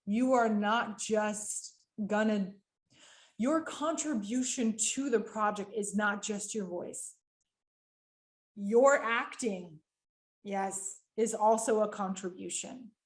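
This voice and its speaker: A woman who works as an animator and voice-over coach teaches a virtual workshop. She talks in quick, lively bursts with frequent fillers and speaks directly to her audience. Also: medium pitch. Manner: addresses the audience directly and often.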